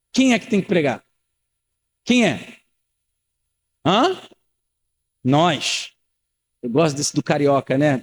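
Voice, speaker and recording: A man in his thirties preaches a sermon in a high, bright voice. His talk is earnest and conversational, and he keeps circling back with rhetorical questions and repeated phrases. The church around him leaves a long, ringing tail of reverb. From Rio de Janeiro, Brazil. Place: church sanctuary.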